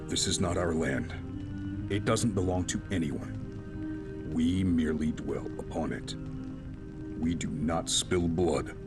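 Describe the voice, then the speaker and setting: An actor playing a stern, peace-keeping tribal father in a space audio drama, with a gravelly voice. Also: low-pitched, slow pace, long pauses. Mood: solemn, firm. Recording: loud music under the voice. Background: loud dramatic music.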